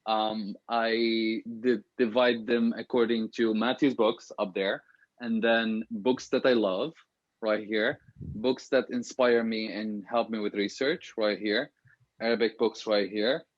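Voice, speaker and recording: Dull-sounding, low-voiced man chatting candidly. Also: steady tone, slow, no echo. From Syria. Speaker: guest author being interviewed. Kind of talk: casual conversational interview. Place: small apartment home office, remote call.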